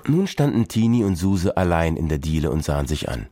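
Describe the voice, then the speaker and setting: A man narrates a children's story with lively, expressive reading. His voice sits somewhat low and swings widely in pitch. The sound is dry and close. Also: brisk, no echo.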